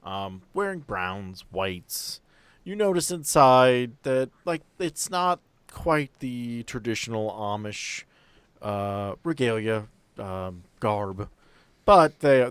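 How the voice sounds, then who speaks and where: A man narrating a tabletop game as game master, explaining scenes in a halting, improvised way. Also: lowish voice, smooth, dry recording.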